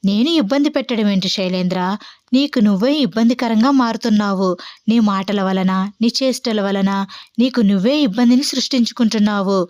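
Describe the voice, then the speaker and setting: A woman's voice: fairly high pitch, no echo, studio quality, lightly acted. Woman voicing a teasing, caring young woman. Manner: gentle, persuasive, playfully teasing. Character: cheerful, caring young woman who teases.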